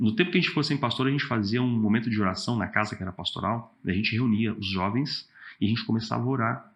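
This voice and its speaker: A man at a medium pitch and a very fast pace, against a quiet background. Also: ordinary pitch variation. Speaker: pastor. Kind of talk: casual interview chat.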